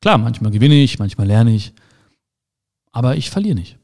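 A man's voice: medium pitch, very animated, normal speed, a little mellow. A man giving a motivational talk in an emphatic way, repeating his key phrases. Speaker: motivational speaker.

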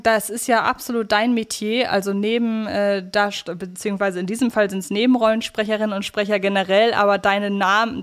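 A woman co-hosting a podcast, chatting casually in a wordy, playfully analytical way. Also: medium pitch. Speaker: podcast co-host. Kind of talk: casual chat, analysing a radio play.

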